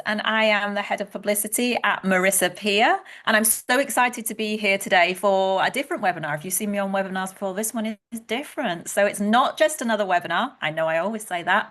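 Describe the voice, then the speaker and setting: An enthusiastic woman from Wales opens an online webinar. She greets viewers warmly by name of place and keeps up a quick, chatty flow, her voice sitting at an ordinary middle pitch. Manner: enthusiastic, chatty, reads out chat messages. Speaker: webinar host, head of publicity. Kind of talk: upbeat webinar hosting.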